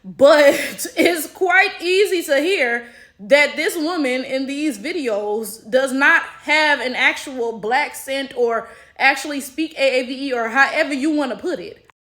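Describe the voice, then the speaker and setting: Woman commentary host from the US, lightly high voice, chatty and explanatory. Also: fairly bright tone. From United States. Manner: explains points slowly, checks in with "right?". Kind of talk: casual commentary to camera.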